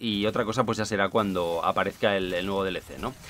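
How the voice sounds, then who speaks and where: A man speaks with a fairly low pitch. His pace is fairly quick. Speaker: gaming YouTuber. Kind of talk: casual vlog monologue. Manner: hesitant, many fillers.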